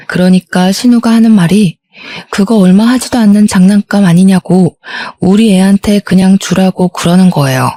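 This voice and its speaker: A woman in her thirties tells a scripted first-person story with indignant, matter-of-fact delivery. Her voice is mellow and warm, recorded close and dry. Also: mid-range voice, dry recording. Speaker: story narrator.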